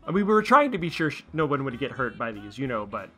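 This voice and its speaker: A man with a mid-pitched, very bright voice chats through a commentary track. He speaks casually as a producer of the show. Music plays behind him. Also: big pitch swings, fast talker. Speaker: writer-producer giving commentary.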